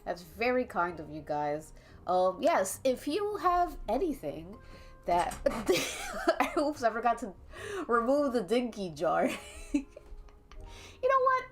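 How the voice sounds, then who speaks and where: A young woman streams herself drawing, casually rambling to her chat and laughing often through a congested nose. She speaks slowly, with a fairly high pitch, over faint calming jazz.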